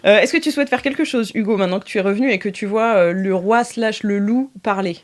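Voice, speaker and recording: A woman's voice: mid-range voice, quick pace. A woman game master narrating an improvised tabletop game. She talks in a chatty, hesitant way, full of fillers and restarts, and often slips into little theatrical voices for the characters.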